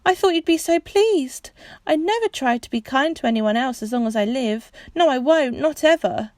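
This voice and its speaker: A woman reading as a tender-hearted little girl, high and tearful, protesting with hurt feelings. Dry, close storybook voice. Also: expressive, normal speed, dry recording.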